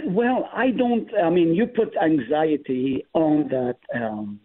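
A man's voice: fairly high pitch, takes it slowly, slight background noise. A man from the Middle East, a native Hebrew speaker, speaking as a guest pastor and explaining scripture emphatically. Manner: emphatic, explaining with rising stress. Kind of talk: Bible study discussion. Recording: tinny phone-line audio.

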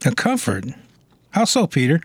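A man's voice: fairly high pitch, huge pitch swings, normal speed, husky, dry recording. A man hosting a radio segment, playing along warily and a little reluctant, in a scripted sketch. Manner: wary, playfully reluctant. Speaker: radio host.

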